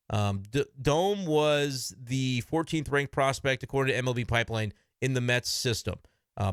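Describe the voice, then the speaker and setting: A man's voice: mid-range voice, fairly bright tone, clean tone, no echo, clean studio sound. A man giving casual, frank solo commentary on his baseball team from his computer desk, talking in an opinionated, conversational way.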